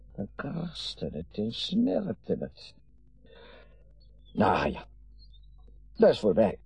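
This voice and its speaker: An actor in his sixties playing a garrulous, meddling, wistful retired father in a radio play, rambling and halting, with sudden emphasis. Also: fairly low pitch, mellow, slightly rough, no room sound, exaggerated voice. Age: 60s. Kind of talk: naturalistic radio drama acting.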